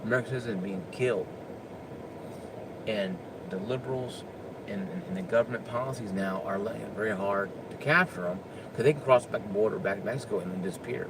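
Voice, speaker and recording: A man's voice: on the low side, brisk, background noise. A man delivering an unscripted opinion rant, emphatic and often stammering through restarts. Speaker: political commentator.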